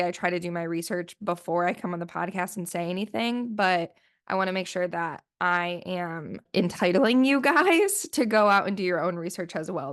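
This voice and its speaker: A woman hosting a solo podcast in casual, rambling chat full of fillers, sniffly and with her voice still recovering from flu. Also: fairly low pitch. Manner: chatty, rambling, lots of "like" fillers. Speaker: podcast host.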